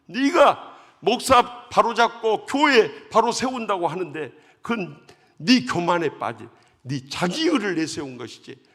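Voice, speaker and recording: A man's voice: high voice, very animated, a little slow, slightly rough, pitched above the performer's own voice, full character voice. A man voicing God as a stern, thundering judge who rebukes a proud believer in a dream, heard with long church hall reverb. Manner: thundering rebuke, rising to shouts.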